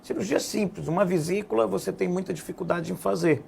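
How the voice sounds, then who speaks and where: A man, a businessman and former politician, explaining policy in a measured political interview, often adding "né?". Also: high voice, gravelly, darkish tone, a little hiss or hum. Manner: measured, explanatory, frequent "né?" tags. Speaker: guest, health businessman and former legislative assembly president.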